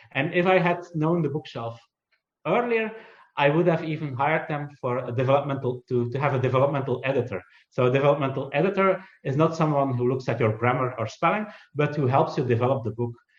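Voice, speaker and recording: Somewhat breathy and very fast, the speaker uses ordinary pitch variation with a Dutch accent. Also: man, fairly high pitch for a man. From Belgium, West Flanders. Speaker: author and software entrepreneur. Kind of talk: interview conversation. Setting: podcast interview. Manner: halting, many repeated words.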